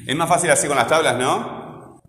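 A man's voice: on the high side, moderate pace, noisy background. A man teaching a grammar lesson to a student, patiently asking questions and repeating her answers. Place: classroom. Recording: echoey classroom with long reverb.

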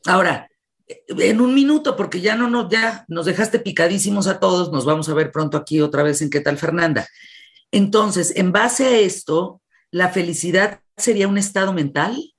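A woman's voice: lowish voice, normal speed. A woman with a Mexican accent hosting a conversational radio interview in a colloquial, effusive and affectionate way. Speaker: radio show host.

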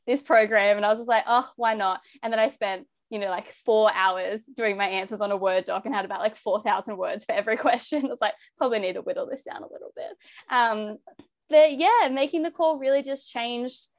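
A young woman with an Australian accent and a high, youthful voice, chatting openly as a podcast guest. She talks in an earnest, rambling way, full of "like" and "um". The sound is dry and close, with no room behind her. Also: brisk, no echo. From New South Wales, Australia. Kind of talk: casual interview chat.

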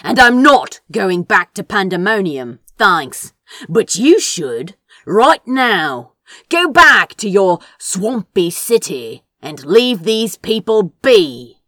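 A defiant, sardonic sorcerer in a fantasy audiobook, played by a woman reader. He is flippant and drawls his dry sarcasm, unhurried, with a lively, mobile pitch. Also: no room sound, full character voice. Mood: sardonic, dismissive. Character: insolent, sardonic male sorcerer, defiant and weary.

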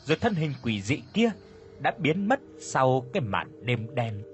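A man narrating a ghost story in a dramatic, expressive storytelling manner. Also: medium pitch, a little slow, a little hiss or hum.

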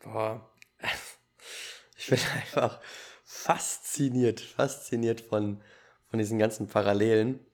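A man hosting a podcast, telling his own story in a lively, casual way with youthful slang. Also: fairly low pitch, slow pace, long pauses. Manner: animated storytelling, laughs easily, youthful slang. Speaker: podcast host.

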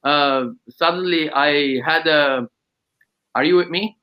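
A man's voice: on the high side, slow pace, sharp tone. A man, a guest musician talking hesitantly with many fillers over a video call. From Lebanon. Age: 30s. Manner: hesitant, many ums and uhs, laughs often. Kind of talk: casual interview.

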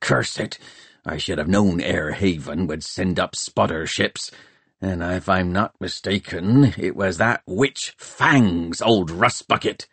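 A man voicing a gruff, blustering pirate mayor in an audiobook, snarling and hissing with rough, ungrammatical speech. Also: deep voice, slow pace, fairly bright tone, no room sound, exaggerated voice. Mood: bitter, snarling. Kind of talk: audiobook character voice.

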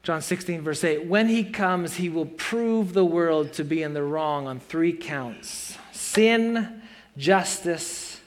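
A man's voice: a little high, slow pace. A man in his forties preaching a sermon in a church, earnest and conversational, with playful self-mocking asides. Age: 40s. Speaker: pastor.

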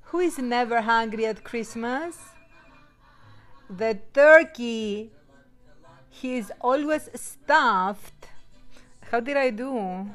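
A woman hosting a casual holiday podcast in English, which is not her first language, talking in a relaxed way with fillers and small laughs. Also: fairly high pitch, extremely slow, long pauses. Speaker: podcast host. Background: soft Christmas music.

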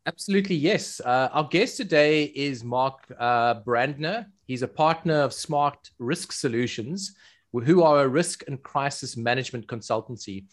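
A man with a South African accent co-hosts a podcast. His voice sits at a medium pitch, and he talks conversationally as he introduces and questions. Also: moderate pace. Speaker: podcast co-host.

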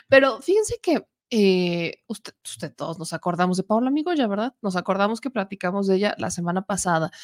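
A woman in her thirties from Puebla, Mexico, speaking with a Mexican accent, hosts a political commentary talk show. Her mid-range voice is a little mellow, and she keeps things chatty and joking, tossing asides to the producer while still getting over an allergy cough.

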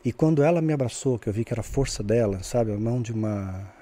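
A man from São telling a story in casual conversation, animated, often acting out the voices he quotes. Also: medium pitch, quick pace. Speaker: guest storyteller.

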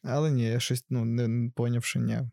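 A young man chats about a film, rambling through filler words and breaking into laughter. His voice sits at an ordinary middle pitch and is recorded close and dry, with no room sound. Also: level tone, a little fast, creaky, mellow, no echo. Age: young adult. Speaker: podcast co-host. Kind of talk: casual film discussion.

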